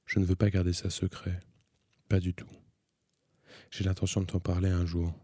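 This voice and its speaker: A soft-spoken young wife, voiced by a male audiobook reader, speaks in a hushed, halting way. The low, husky voice stays dark and flat, with barely a lift above the reader's own, in a dry, close recording. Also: dry recording. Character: quiet grieving young wife opening up. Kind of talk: audiobook reading.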